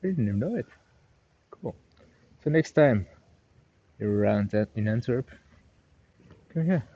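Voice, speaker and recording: A man's voice: mid-range voice, expressive, a little slow, breathy edge, dull audio. A Flemish man whose first language is Dutch, chatting casually on a live-stream walking tour of city streets at night and answering viewers' questions with lots of hedging.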